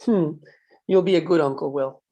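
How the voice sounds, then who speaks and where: A man plays a proud, reserved man of means in a drama table read. The voice is dark and mellow, with a breathy, husky texture. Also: fairly high pitch, moderate pace. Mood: warm, wry.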